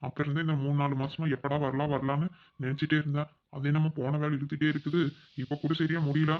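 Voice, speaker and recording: A man's voice: on the high side, little pitch movement, fast, highs cut off, lightly acted. A man voicing a young husband back from abroad in a cartoon, tenderly soothing his tearful wife. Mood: doting, soothing. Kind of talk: cartoon voice acting.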